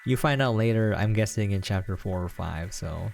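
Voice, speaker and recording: A man's voice: fairly low pitch, normal speed, vocal fry, noisy background. A man reading a visual novel aloud as a gameplay host, dropping in casual, conversational asides.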